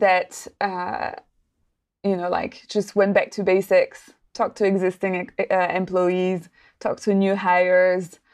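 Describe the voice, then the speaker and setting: Pausing long and often, a woman with a French accent speaks at a medium pitch and a moderate pace. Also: fairly even intonation, quiet background. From France, Paris. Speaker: service designer. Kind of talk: casual interview.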